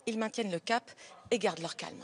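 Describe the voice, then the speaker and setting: Female live TV reporter, mid-pitched, searching for words as she reports on the fly. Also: breathy edge. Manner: hesitant, halting with repeated words. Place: inside a TV studio during a debate.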